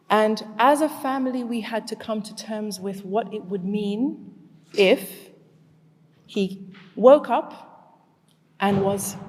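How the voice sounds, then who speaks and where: A woman in her forties gives a talk in a large hall, and her voice trails off into a long echo. She speaks at a middle pitch, draws the crowd in with hand-raising questions, and then shifts into telling her own story. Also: a little mellow. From Zimbabwe. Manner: engages the crowd with show-of-hands questions, then tells a personal story. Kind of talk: storytelling talk to a live audience.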